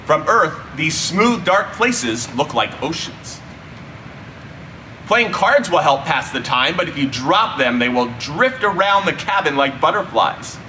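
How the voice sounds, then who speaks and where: A man narrating a children's story in an expressive, dramatic read-aloud style with emphatic delivery. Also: high-pitched, slight background noise, rough recording. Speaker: narrator reading a children's book.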